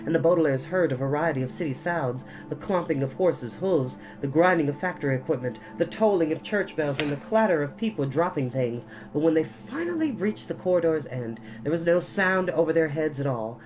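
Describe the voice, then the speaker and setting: A man hosting a storytime, speaking in a reassuring, expressive manner as he reads and chats. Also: a little high, poor audio. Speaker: storytime host and reader. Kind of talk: audiobook-style storybook reading with chatty intro. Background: music.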